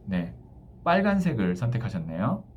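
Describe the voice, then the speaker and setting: A man speaking as a tarot fortune teller, explaining a love reading to a client with thoughtful pauses. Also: lowish voice, huge pitch swings, slight background noise.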